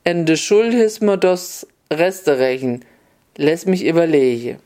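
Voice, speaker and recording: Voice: medium pitch, expressive, unhurried, darkish tone, lightly acted. A storyteller voicing a defiant young girl in a snow-white dress, speaking in with a cheeky, matter-of-fact manner. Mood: pert.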